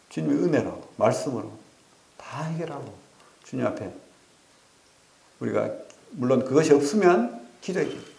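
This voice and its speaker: Gravelly-voiced pastor preaching in an echoey church. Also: male voice, medium pitch. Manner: animated storytelling with rhetorical questions to the congregation. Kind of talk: sermon. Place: church sanctuary.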